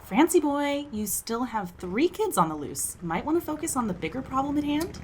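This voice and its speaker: A woman's voice: high-pitched, big pitch swings, moderate pace, slight background noise. A woman playing a brash, friendly young townswoman in an audio drama, slangy and full of playful ribbing. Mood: teasing.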